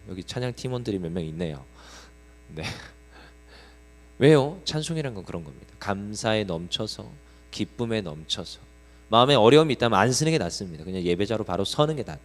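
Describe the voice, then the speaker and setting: A man preaching a sermon to a congregation in a church, talking conversationally with rhetorical questions and light humorous stories. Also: on the low side. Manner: humorous storytelling asides. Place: church sanctuary. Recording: long reverb of a large hall.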